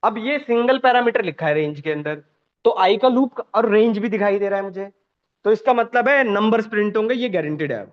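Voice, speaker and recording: A man teaching a programming class, questioning students and repeating points slowly. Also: sits high, expressive. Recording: dull lo-fi sound.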